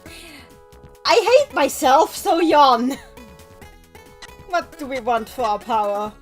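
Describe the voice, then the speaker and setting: A woman's voice: high voice, big pitch swings, takes it slowly, soft background music. A young woman in her twenties with a German accent, a native German speaker, chatting casually with viewers while playing a game on a live stream. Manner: chatty, answering viewer chat mid-game.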